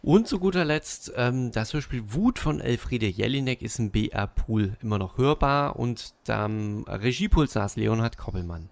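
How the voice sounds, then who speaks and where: A man's voice: mid-range voice, expressive, moderate pace, creaky, hardly any pauses, no room sound. A man co-hosting a podcast, announcing new releases casually with a playful, ironic manner. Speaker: podcast co-host.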